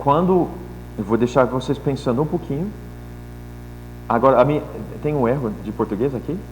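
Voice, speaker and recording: With audible room echo and noticeable background noise, a man talks at a moderate pace in a medium pitch, with ordinary pitch variation and long, frequent pauses. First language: not Portuguese (foreigner) (speaking Portuguese). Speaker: preacher. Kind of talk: sermon.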